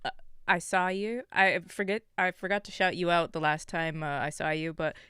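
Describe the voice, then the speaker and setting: A woman's voice: on the low side, flat delivery, moderate pace, pushed and bright, clear, resonant tone, no echo, studio quality. A woman from Canada co-hosting a gaming podcast in casual, chatty talk. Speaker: podcast co-host.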